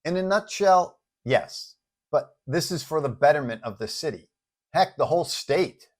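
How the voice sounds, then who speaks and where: A man's voice: fairly high pitch, animated, moderate pace, pitched above the performer's own voice. Man as woman police chief, story character, blunt, exasperated, persuasive, pragmatic.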